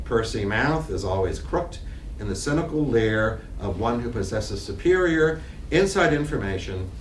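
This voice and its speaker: A man reading stage directions aloud as narrator at a live play reading, in a measured, literary way. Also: medium pitch. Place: library reading room. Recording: echoey room, distant mic, faint noise.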